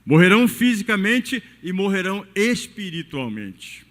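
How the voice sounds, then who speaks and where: A high-pitched man preaches a sermon, his voice rising and falling in wide swings as he asks the congregation rhetorical questions. His voice rings out through the long reverb of a large cathedral hall. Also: big pitch swings, normal speed, fairly bright tone. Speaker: pastor. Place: cathedral during evening service.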